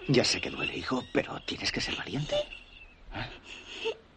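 A man's voice: on the high side, wildly swooping pitch, measured pace, background noise. An anxious devoted father. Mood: soothing. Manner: urgent and anxious, then gentle and soothing. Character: worried adult father, protective and devoted. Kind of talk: Spanish film dub.

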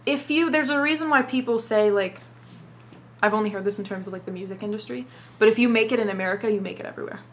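A woman's voice: mid-range voice, fast, a little hiss or hum. A young woman who grew up in Dubai and speaks Arabic as her first language, answering questions in a casual interview and swearing freely as she talks. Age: young adult. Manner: casual, swears a lot, says "like" often.

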